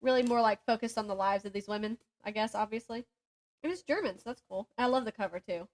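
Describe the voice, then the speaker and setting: A woman's voice: mid-range voice, quick pace. A young woman co-hosting a podcast, chatting casually about books and reading bits aloud, giggly and a little self-deprecating. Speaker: podcast co-host. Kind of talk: casual book chat with synopses read aloud.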